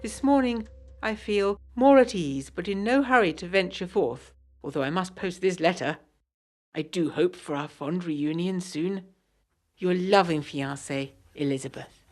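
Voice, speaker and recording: A woman with a fairly low, somewhat slow, close-to-everyday voice plays a genteel, proper yet adventurous 1920s Englishwoman in an audio drama. She reads a letter fondly, in refined, formal, old-fashioned phrasing.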